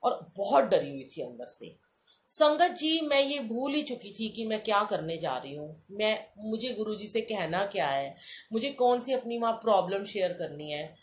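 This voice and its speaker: Animated middle-aged woman telling a devotional story. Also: medium pitch, normal speed. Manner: animated, addresses listeners as sangat ji, acts out dialogue. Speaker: satsang storyteller.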